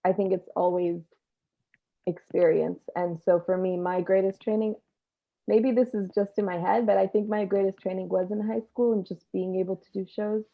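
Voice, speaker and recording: A woman's voice: medium pitch, little pitch movement, normal speed, gravelly. A young adult woman talking casually and reflectively as an interview guest, over tinny call audio. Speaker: actor, panel guest.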